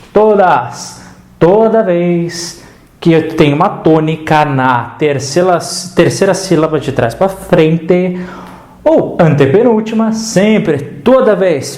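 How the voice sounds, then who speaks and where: A man's voice: fairly high pitch, a little mellow, reverberant. A man with a Brazilian Portuguese accent teaching an online grammar lesson, chatty and checking in often with the viewer.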